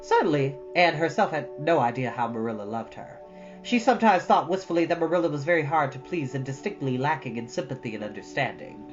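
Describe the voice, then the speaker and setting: A woman reading a children's story aloud, with casual, gently advising asides to young listeners. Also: sits low, expressive, a little fast, muffled recording, soft background music. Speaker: storytime reader.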